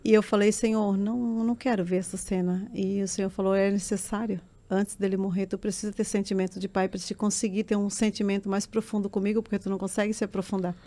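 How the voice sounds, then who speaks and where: A woman's voice: mid-range voice, level tone, fast, few pauses, warm tone. A woman giving an emotional faith testimony as a guest in an interview, telling her story earnestly and with passion.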